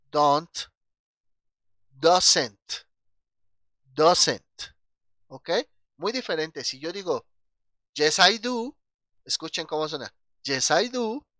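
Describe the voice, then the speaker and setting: A man's voice: fairly high pitch, pushed and bright, dry recording, studio quality. A man with a Mexican Spanish accent teaching an English grammar lesson, patient and checking in often with his class.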